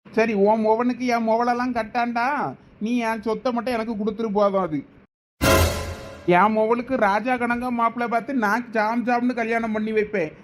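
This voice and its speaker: A man plays a wronged middle-aged brother in a cartoon family feud, speaking with a Thoothukudi Tamil accent. His voice sits very high, and he argues loudly and will not back down. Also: little pitch movement, moderate pace, faint music behind. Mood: angry. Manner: loud, insistent arguing. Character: aggrieved middle-aged brother, father of two daughters. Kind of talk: cartoon family drama voice acting.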